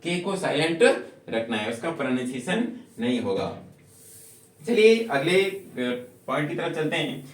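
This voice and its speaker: A man's voice: on the high side, very animated, a little slow. A man teaching English spelling rules to a class, repeating each rule and asking questions that he answers himself. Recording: echoey room, voice from far off.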